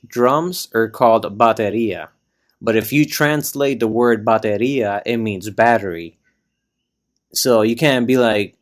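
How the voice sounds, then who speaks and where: A young man from Florida, raised in Puerto Rico, hosting an unedited solo podcast and telling a story in a rambling, profane, self-deprecating way. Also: lowish voice. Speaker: podcast host.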